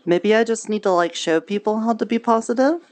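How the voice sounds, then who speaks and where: A woman roleplaying an earnest, naive, cheerful young preacher, talking in a halting, childlike way with folksy grammar. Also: mid-range voice, a little mellow, close to an everyday voice. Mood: musing. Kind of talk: improvised virtual reality roleplay.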